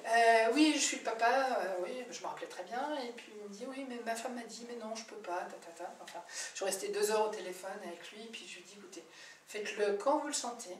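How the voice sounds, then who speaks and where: Woman therapist, chatty and animated, frequent fillers, distant mic, roomy sound, faint background hiss. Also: mid-range voice, fairly quick. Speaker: birth-history therapist. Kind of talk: telling client stories in a talk.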